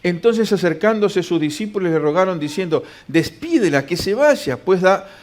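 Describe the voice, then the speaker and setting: Preacher, man, slightly high voice, reads scripture and answers his own questions in a sermon. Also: expressive, moderate pace. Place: church.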